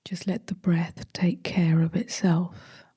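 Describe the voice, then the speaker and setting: A woman leading a guided meditation as a teacher, speaking gently in a soft, hushed, breathy voice with long pauses between short phrases. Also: lowish voice, flat delivery, no room sound, clean studio sound.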